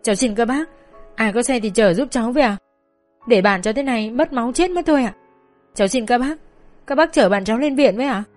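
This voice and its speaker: A woman's voice: brisk, a little mellow, soft background music, close to an everyday voice. Woman voicing a desperate young woman begging for help. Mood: desperate pleading. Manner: pleading, high and strained.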